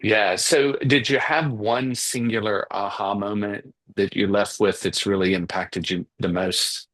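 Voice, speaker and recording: A man's voice: lowish voice, fairly even intonation, measured pace, fairly bright tone. A man hosting a podcast interview, speaking reflectively and affirming his guest, often repeating words as he thinks aloud. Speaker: podcast host.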